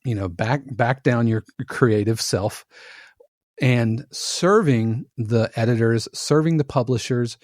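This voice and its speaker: A man guest on a podcast, explaining his trade in casual conversation, animated and full of analogies, often restarting his sentences. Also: medium pitch, takes it slowly, no room sound, studio quality. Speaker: podcast guest, production music composer.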